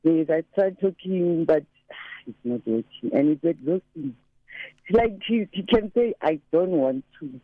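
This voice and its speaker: A woman in her thirties with a deep voice, calling a radio show and mixing English with Zulu. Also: expressive, measured pace, dry recording. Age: 30s. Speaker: caller. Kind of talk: phone-in call to a radio show. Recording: tinny phone line, dry.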